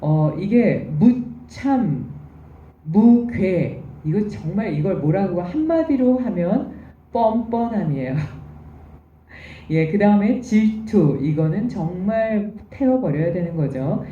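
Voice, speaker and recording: A woman's voice: mid-range voice, animated, a little slow. A woman giving a recorded university lecture, explaining terms patiently and step by step. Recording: echoey, distant, dull room recording.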